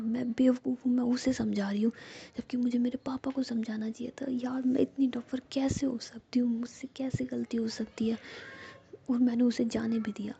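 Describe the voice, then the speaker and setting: A woman's voice: on the high side, gravelly, dark tone, dull audio, a little hiss or hum. A woman whispering the part of a torn, pleading young woman in love. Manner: pleading, apologetic.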